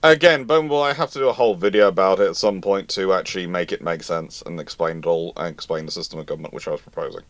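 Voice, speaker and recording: Animated man hosting a live Q&A. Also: low voice, fast talker, hardly any pauses, no room sound. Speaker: host of a live history Q&A. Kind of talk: casual live-stream chat.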